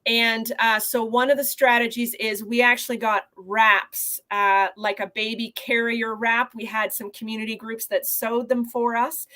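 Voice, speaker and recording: A woman neonatologist from Canada answering interview questions over a video call in an earnest, measured way. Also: fairly high pitch, little pitch movement, sharp tone. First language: not Portuguese. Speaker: neonatologist guest.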